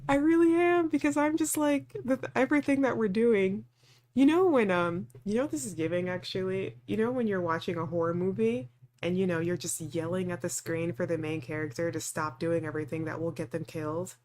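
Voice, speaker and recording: A woman doing a let's play, reading a visual novel aloud and reacting with animated, exasperated casual asides. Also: on the low side, fairly quick.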